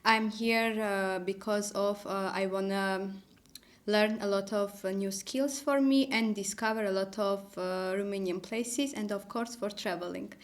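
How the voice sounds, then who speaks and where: A woman's voice: medium pitch, steady tone. Young woman co-hosting. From Armenia. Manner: halting, simple phrasing with fillers. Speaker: podcast co-host. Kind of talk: casual podcast chat. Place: small studio.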